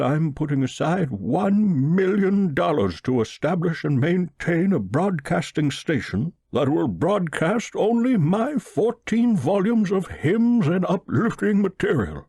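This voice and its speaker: A man voicing a pompous, pious old millionaire with a solemn, slow drawl in an audiobook story. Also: fairly high pitch, dark tone, husky, no echo, studio quality, pitched above the performer's own voice, full character voice. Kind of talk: audiobook character voice.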